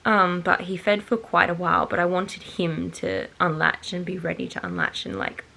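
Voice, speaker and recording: A woman's voice: on the low side, normal speed, gravelly, bright, forceful tone, a little hiss or hum. A tired, nasal-sounding young woman, chatting to camera and rambling as she corrects herself. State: tired and nasal with hay fever. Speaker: vlogger. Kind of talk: casual chat to camera.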